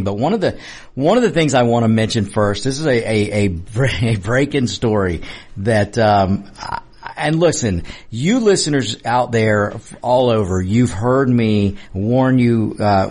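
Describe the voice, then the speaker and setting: A man's voice: medium pitch, darkish tone. A man hosting a talk radio show in a casual, opinionated monologue, speaking straight to listeners and repeating phrases for emphasis.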